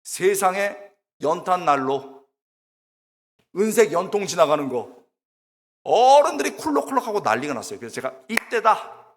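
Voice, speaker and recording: A middle-aged man preaching a sermon, telling funny stories in an animated, exclamatory way and acting out the people in them. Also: high-pitched, moderate pace. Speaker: guest preacher, preaching professor. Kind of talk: sermon with humorous storytelling. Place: church sanctuary. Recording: long church reverb.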